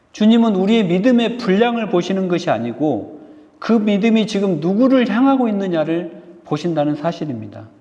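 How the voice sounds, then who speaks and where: A man's voice: high voice, dark tone. A junior pastor, a man, preaching a sermon in a church and earnestly addressing the congregation. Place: church sanctuary. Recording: reverberant hall, slightly dull sound.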